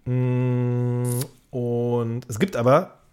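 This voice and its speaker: A man's voice: mid-range voice, monotone, extremely slow, dark tone, clear, resonant tone. A man chatting casually as a podcast co-host, often repeating short words of agreement. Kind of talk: casual chat.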